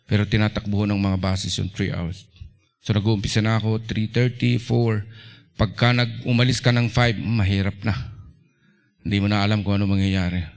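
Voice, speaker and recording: A middle-aged man from the Philippines, a pastor preaching a lively sermon in a church and acting out little everyday scenes. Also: fairly low pitch, moderate pace, vocal fry.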